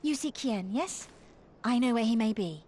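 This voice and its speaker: A woman playing a gentle young tribal guide in a video game, explaining in measured, solemn, formal phrases. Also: on the high side, lively intonation. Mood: helpful. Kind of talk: game cutscene exposition. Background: faint music.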